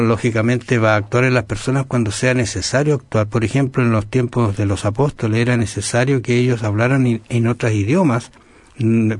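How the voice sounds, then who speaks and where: Calm man explaining scripture. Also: mid-range voice, breathy edge, no echo. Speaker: Bible study program co-host. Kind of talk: conversational Bible study dialogue.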